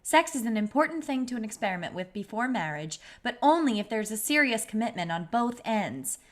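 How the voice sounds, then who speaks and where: Lady playing a teen girlfriend, highish lively voice, earnest letter reading. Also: a little fast. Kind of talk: table read acting.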